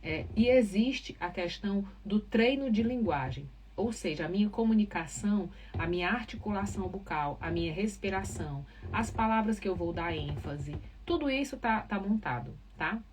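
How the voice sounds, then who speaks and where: A woman from Ceará with a Cearense accent, a journalist explaining on a podcast with carefully trained, clearly articulated diction. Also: mid-range voice, normal speed, few pauses, distant mic, a little hiss or hum. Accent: Cearense Brazilian Portuguese. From Ceará, Brazil. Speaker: journalist, podcast guest speaker.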